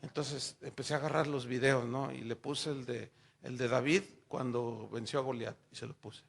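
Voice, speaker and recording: An older man with a Mexican accent preaching a sermon, telling personal stories and acting out the dialogue with lively shifts of voice. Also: mid-range voice, normal speed, vocal fry. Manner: animated storytelling, acting out dialogue in raised voices. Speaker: pastor.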